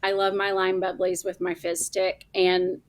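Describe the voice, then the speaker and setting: A woman's voice: mid-range voice, monotone, measured pace. A middle-aged woman with an Oklahoma accent, a guest chatting in bursts about her work as a coach. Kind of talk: casual chat.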